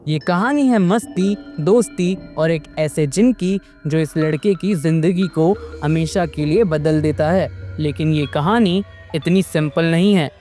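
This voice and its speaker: High-pitched guy telling a spooky story, dramatic, soft music behind. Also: measured pace. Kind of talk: scripted horror story narration.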